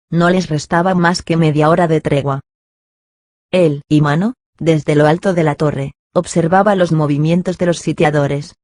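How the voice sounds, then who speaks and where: A man narrating a classic novel as an audiobook, in a steady, measured storytelling manner. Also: a little high, no echo, studio quality. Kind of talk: scripted literary narration.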